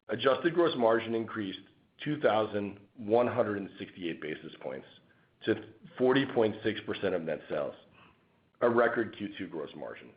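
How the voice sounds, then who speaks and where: A man presenting as a company finance executive, reading a scripted financial report in a formal, measured manner. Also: fairly low pitch. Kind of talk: scripted earnings-call presentation. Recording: dull, lo-fi conference call audio.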